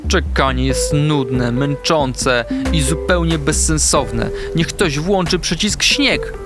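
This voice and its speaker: A man's voice: fairly high pitch, slow, loud music behind the voice. A man doing an impatient little hamster. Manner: whiny, exaggerated complaining.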